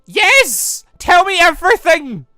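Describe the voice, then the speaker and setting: A let's player voicing an excitable, earnest teenage girl heroine from a visual novel, gushing and eager. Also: very high-pitched, slow pace, dry recording, studio quality, faint music behind, voice pushed up, heavily acted. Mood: excited.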